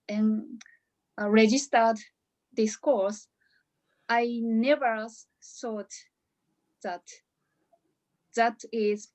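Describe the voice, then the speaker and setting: A woman's voice: on the high side, low-quality recording. A woman from Japan with a Japanese accent, giving a hesitant graduation speech with many restarts over a video call. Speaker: coaching graduate.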